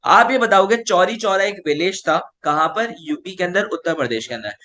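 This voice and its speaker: High-voiced Pakistani Urdu-speaking teacher. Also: male voice, animated, normal speed, sharp tone. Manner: rhetorical questions answered himself. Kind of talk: online class lecture.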